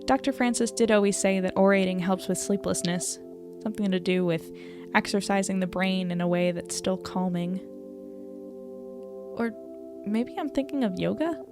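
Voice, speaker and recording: Music plays clearly behind an actress playing a young woman reporter in an audio drama. She is plainspoken and troubled, with a medium-pitched voice and dry, understated sarcasm. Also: normal speed, lightly acted. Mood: weary, musing. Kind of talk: audio drama acting, diary-like monologue and dialogue.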